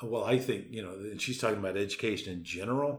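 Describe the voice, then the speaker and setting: His voice is somewhat breathy and fairly low-pitched. This man uses ordinary pitch variation. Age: 50s. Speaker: podcast host, Bible teacher. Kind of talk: casual family discussion. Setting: piano studio with room noise.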